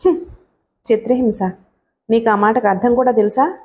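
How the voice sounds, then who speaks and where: A woman's voice: a little high, normal speed, dark tone, natural voice. Sitapati, a woman reading him as a bitter menacing husband. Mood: taunting. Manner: cold, heavy, taunting delivery. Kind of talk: audiobook character reading.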